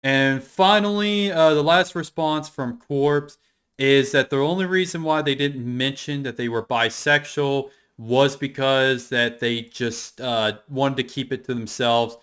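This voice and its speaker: A man's voice: mid-range voice, unhurried, fairly bright tone, clean tone. A man giving casual, unscripted commentary as an online drama explainer, rambling and repeating his points in an opinionated way. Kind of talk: casual unscripted commentary going through screenshots.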